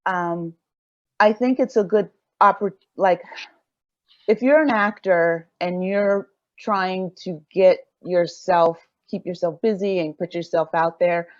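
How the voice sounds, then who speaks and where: A woman with a fairly low voice takes part in an unscripted panel. She speaks reflectively and haltingly, often rephrasing as she searches for words. The recording is very dry and slightly dull. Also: dry recording. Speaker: audio drama creator, panelist.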